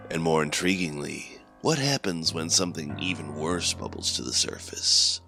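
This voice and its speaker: A man playing an ominous, theatrical horror anthology host who narrates in portentous, deliberate phrases. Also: very deep voice, animated. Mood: ominous, musing. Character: ominous, theatrical host of a mysterious otherworldly radio signal. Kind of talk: scripted dramatic horror narration. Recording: music under the voice. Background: music.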